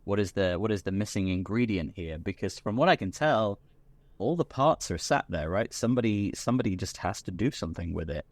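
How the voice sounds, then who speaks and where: British man, podcast guest, low voice, dry sound, rambling casual chat. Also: animated, a little fast, no echo. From Britain. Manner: chatty, full of restarts and repeated words.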